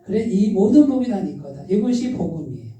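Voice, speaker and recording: A pastor delivers an emphatic sermon and keeps firing rhetorical questions at his congregation. His voice is very dark and mellow. It booms through a very echoey church hall, heard from some distance from the mic. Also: sing-song, brisk. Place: church sanctuary.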